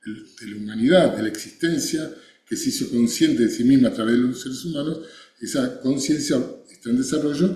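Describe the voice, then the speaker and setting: In a Rioplatense accent, a man talks at a fairly quick pace, his loudness swinging widely, with audible room echo. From Argentina, Buenos Aires. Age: 60s. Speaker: meditation teacher. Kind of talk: online masterclass talk. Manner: conversational.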